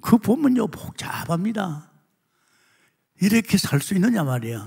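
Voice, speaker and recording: A man's high voice with very wide pitch swings, at a moderate pace, over a quiet background. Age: 80s+. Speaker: pastor. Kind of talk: sermon. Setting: church. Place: church. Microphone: handheld.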